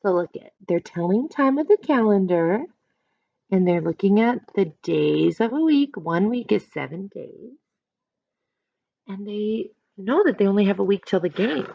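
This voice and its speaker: A woman teacher reading a picture book aloud, pausing to explain things simply and directly to young listeners. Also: medium pitch, expressive, gravelly, dry recording, muffled recording.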